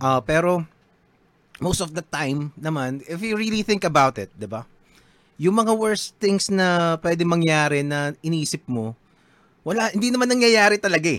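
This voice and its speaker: A man's high voice with a Filipino accent and lively intonation, in a dry, close sound with no echo. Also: moderate pace. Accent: Filipino English, Taglish. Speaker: podcast host and illustrator. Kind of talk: casual chat, Taglish. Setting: studio.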